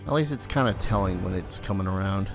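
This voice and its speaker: A low-voiced, fast-talking man hosts a let's play, offering casual commentary with muttered asides, some mild swearing and the odd bit of game text read aloud, all over background video game music.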